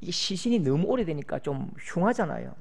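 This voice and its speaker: A middle-aged male pastor preaching a sermon, moving between loud pleading cries and quiet storytelling. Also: fairly high pitch, animated, a little fast, gravelly. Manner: impassioned, swings from loud cries to hushed storytelling.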